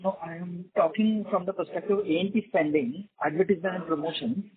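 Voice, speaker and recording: A man's voice: sits high, quick pace, a crowd in the background. A man with an Indian accent, a financial analyst asking unscripted questions on a business call. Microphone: phone. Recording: thin tinny phone line.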